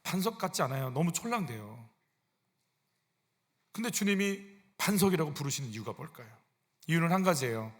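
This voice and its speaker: Speaking with a fairly high pitch, a senior pastor gives a very animated, brisk sermon punctuated by long pauses. His style is conversational and full of rhetorical questions for the congregation, echoing through the sanctuary's long hall reverb.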